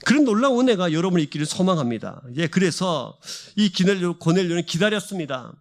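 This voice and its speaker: Male pastor, high and very lively voice, fervent sermon delivery with repeated building phrases. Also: quick pace. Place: church service.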